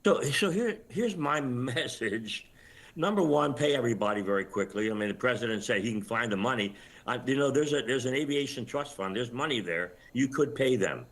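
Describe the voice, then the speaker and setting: An older man speaks as an interview guest on a live news program. His delivery is measured and explanatory, with halting phrases as he works through each point. The pitch sits in an ordinary middle range for a man. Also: expressive, fairly bright tone. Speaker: retired air traffic controller, interview guest.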